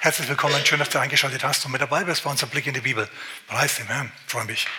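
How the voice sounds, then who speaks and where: A male pastor preaching a sermon, lively and addressing the listener directly with questions. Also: medium pitch, racing, background noise. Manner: lively, exclaiming, talks straight to the listener.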